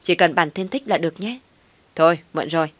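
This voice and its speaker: Woman playing a bold, taunting young wife, loud, dry close sound. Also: on the low side, fairly quick, no room sound, close to an everyday voice. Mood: mocking. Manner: defiant, taunting.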